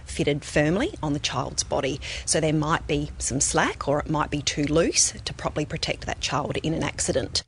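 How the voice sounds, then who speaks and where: A woman's voice: sits low, moderate pace, vocal fry, hardly any pauses, a little hiss or hum. An Australian woman giving an explanatory safety comment as a spokesperson.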